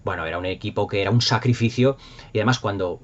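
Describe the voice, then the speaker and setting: A man's voice: lowish voice, fast talker. A middle-aged man with an accent from Spain, chatting casually and nostalgically to viewers in an enthusiastic, rambling, emphatic way. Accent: Spanish from Spain. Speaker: YouTube host. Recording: dull lo-fi sound.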